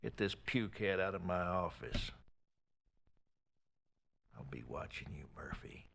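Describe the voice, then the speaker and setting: An actor playing a menacing government agency boss in a game, clipped, threatening and contemptuous. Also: male voice, low-pitched, lively intonation, measured pace, creaky, a bit bright, exaggerated voice. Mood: low menace. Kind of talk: scripted game drama.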